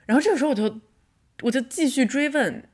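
A woman in her thirties hosting a casual solo podcast. She tells a story in a reflective way and slows down to stress her points. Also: sits high, husky. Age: 30s. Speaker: podcast host.

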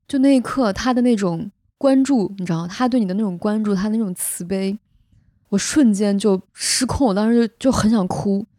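A woman's voice: medium pitch, fairly quick, warm tone, dry recording. A young woman hosting a podcast, telling a personal story in a casual, earnest and emotional way with vivid detail. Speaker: podcast host.

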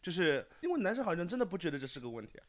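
Male guest, jokey, rapid-fire, wildly swinging pitch. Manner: joking, animated, laughs often. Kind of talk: casual chat.

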